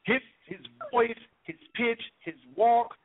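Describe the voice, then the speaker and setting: A man's voice: very high voice, big pitch swings, slow pace, vocal fry, no echo, phone-quality sound. A man on a talk radio show, explaining his views at length with worked examples in a casual way.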